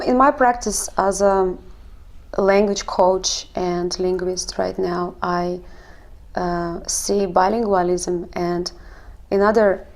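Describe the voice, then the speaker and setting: A woman from Kazakhstan, speaking English as an in a halting, explanatory way in a casual discussion. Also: on the low side, darkish tone. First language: not English. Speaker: language coach and linguist.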